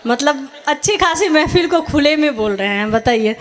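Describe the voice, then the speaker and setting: A woman's voice: sits high, lively intonation, moderate pace. A woman poet from Bihar bantering on an outdoor stage, firing witty comebacks at the host into a stage mic. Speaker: poet performing at a poetry gathering. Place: outdoor stage before a crowd. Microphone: stage microphone.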